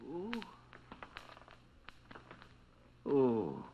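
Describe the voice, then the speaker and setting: A slow-witted, hard-of-hearing boss in a radio suspense drama. He repeats himself in a dazed manner, with a lot of movement in his pitch. The recording sounds old. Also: huge pitch swings, phone-quality sound, a little hiss or hum, exaggerated voice. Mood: puzzled. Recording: vintage radio recording, somewhat distant.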